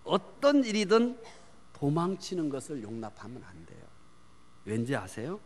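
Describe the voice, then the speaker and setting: Male pastor, sermon delivery, somewhat high voice, answers his own questions, drops to a whisper for emphasis, echoing church hall. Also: lively intonation, moderate pace. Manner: asks the congregation questions and answers them himself; swings from loud emphasis to hushed near-whispers. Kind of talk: sermon on parenting. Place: church sanctuary. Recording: long church hall reverb.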